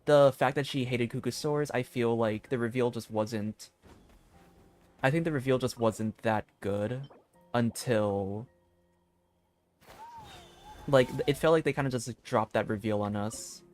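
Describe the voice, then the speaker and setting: A man giving casual gameplay commentary as a streamer, rambling and thinking aloud in a halting way. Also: mid-range voice, darkish tone, soft background music. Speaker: video game streamer.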